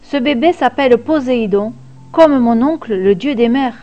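A woman's voice: a little high, moderate pace, mellow, muffled recording, soft background music, natural voice. A woman reading the inner thoughts of a puzzled young male god messenger in a storybook tale, in a wondering, thoughtful manner.

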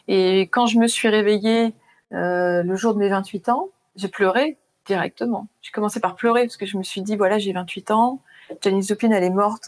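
A woman in her thirties talks about her book in an interview, her voice sitting at an ordinary middle pitch. She thinks aloud and often restarts her sentences as she searches for the right words. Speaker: author guest. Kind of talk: interview conversation and book reading.

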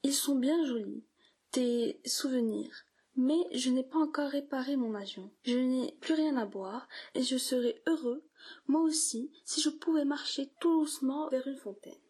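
Brief: woman reading a tired stranded pilot, husky high voice. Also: a little slow, darkish tone, exaggerated voice. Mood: weary. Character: weary stranded pilot, grown man.

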